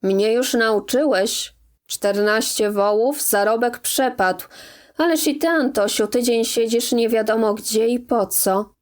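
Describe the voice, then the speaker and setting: Gruff older country doctor, read by a woman. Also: on the high side, measured pace, lightly acted. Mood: reproachful.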